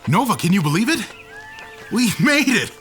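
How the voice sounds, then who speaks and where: Excitable, animated homecoming space traveler, man. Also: high voice, moderate pace, soft background music. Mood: excited. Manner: exuberant, animated, irreverent. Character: excitable, homesick man returning to his home planet. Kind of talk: audio drama acting.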